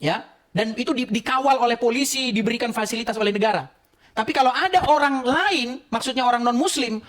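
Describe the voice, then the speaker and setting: A man hosting his own channel, talking straight to a phone camera in a heated, emphatic livestream monologue. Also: sits high. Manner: emphatic, heated, repeats "gitu loh". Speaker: channel host.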